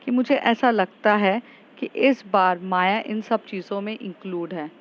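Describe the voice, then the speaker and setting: A woman's voice: medium pitch, measured pace, muffled recording, lightly acted. A woman voicing Nandita, a caring young woman who speaks in a concerned, reassuring way.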